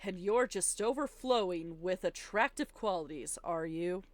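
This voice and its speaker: A woman's voice: on the low side, lively intonation, a little slow, no echo. Woman reading a wry, skeptical defense lawyer. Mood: sarcastic. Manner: questioning, wry. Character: skeptical, dry-witted male defense lawyer in a courtroom game.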